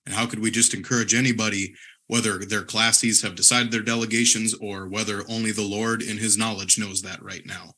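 A man hosting a church podcast, asking questions in a measured way with many pauses. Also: on the low side, flat delivery, sharp tone. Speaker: podcast host. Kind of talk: casual podcast interview.

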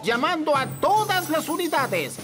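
An actor voicing a stern, officious old elf who runs a rescue service in a children's cartoon, with a Latin American Spanish accent. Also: male voice, very high voice, sing-song, measured pace, full character voice. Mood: officious, urgent. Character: gruff old wise male elf running a rescue service. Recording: music bed under the voice.

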